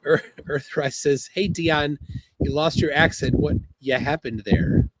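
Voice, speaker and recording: A man hosting a casual livestream, reading chat aloud in a halting, laid-back way, speaking outdoors by the water. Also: on the high side, low-quality recording. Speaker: livestream host.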